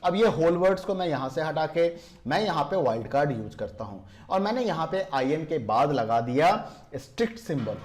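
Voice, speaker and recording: A man, his voice sitting a little high, walks through a screen-recorded software lesson. He slows down deliberately when defining terms. He keeps asking viewers whether they can see what he means. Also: big pitch swings. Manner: explains step by step, asks viewers rhetorical checks. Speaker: computer tutorial teacher.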